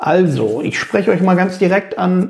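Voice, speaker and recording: Noticeable background noise sits behind a man's voice. He keeps a moderate pace with fairly even intonation. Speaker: podcast host and real estate training provider. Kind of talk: casual interview. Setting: video call. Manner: hesitant, many filler sounds. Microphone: Teams call audio quality sometimes poor.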